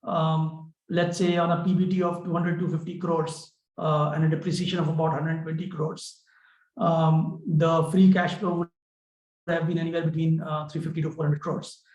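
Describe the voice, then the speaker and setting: Higher-pitched Indian man, roomy echo. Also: little pitch movement, normal speed, darkish tone. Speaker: company finance executive. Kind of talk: answering analyst questions on an earnings call. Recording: roomy, echoing conference call.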